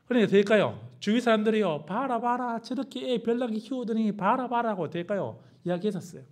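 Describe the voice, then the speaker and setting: Animated, high-pitched male preacher. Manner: call-and-response preaching with many questions to the congregation; swings from hushed to loud, exclaiming passages. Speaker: pastor. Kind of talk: sermon.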